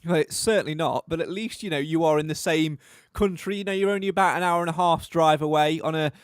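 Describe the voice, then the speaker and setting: Upbeat host, high bright voice. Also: male voice, fast talker, clean tone, dry recording, studio quality. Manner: chatty, self-deprecating, with frequent fillers. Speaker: podcast host. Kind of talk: casual live podcast hosting.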